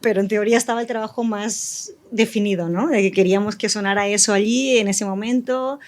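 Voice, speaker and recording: A woman's voice: medium pitch, fairly even intonation, brisk. A woman speaking as a panelist at a live event, explaining things in an informal way. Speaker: panelist, audio fiction writer.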